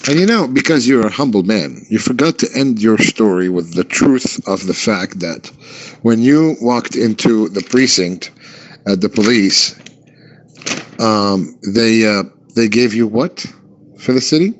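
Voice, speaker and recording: A man's voice: fairly low pitch, animated, measured pace. A man co-hosting a comedy show, telling mock-serious tall tales with hesitant fillers, on muffled lo-fi audio. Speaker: co-host. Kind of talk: comedic banter.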